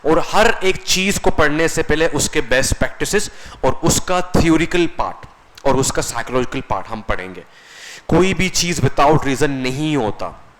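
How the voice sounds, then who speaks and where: A man's voice: a little high, lively intonation, normal speed, slight background noise, rough recording. A man teaching a classroom lecture as a computer course instructor, conversational, often asking the class questions and answering them himself.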